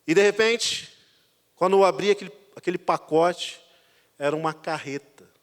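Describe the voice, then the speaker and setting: Man, pastor telling a story from the pulpit, fairly high voice, long church reverb. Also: normal speed. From Brazil. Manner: animated, lively storyteller, swinging from loud to quiet. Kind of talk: sermon with personal storytelling. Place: church sanctuary.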